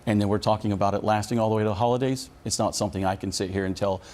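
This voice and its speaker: A man's voice: fairly low pitch, fairly even intonation, racing, a little mellow. A middle-aged American man answering news interview questions as a union leader, speaking earnestly and emphatically. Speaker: union leader representing air traffic controllers.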